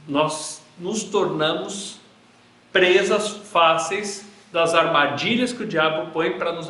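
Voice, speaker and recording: A man's voice: sits high, pushed and bright. A man teaching a Bible class to a group, preaching earnestly in a room with a projector, repeating phrases for emphasis. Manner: earnest, repetitive preaching cadence. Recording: roomy echo in a hall.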